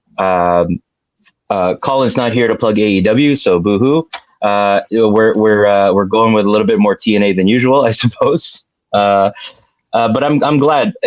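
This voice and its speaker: A plain, everyday voice at a moderate pace, with ordinary pitch variation and a dry, close sound with no echo. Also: man, fairly low pitch for a man, very even loudness. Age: 40s. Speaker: wrestling podcast co-host. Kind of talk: casual chat.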